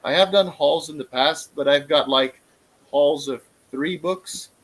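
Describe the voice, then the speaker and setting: A man talking casually as a guest about books, pausing often with "uh". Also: a little high, a bit bright, rough recording. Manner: hesitant, frequent "uh" pauses. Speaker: guest, book video creator. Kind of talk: casual chat.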